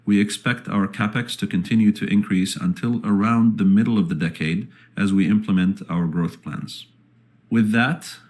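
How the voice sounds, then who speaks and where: A man speaking as a company executive, reading a scripted earnings presentation in a formal, measured manner. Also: on the low side, a little mellow.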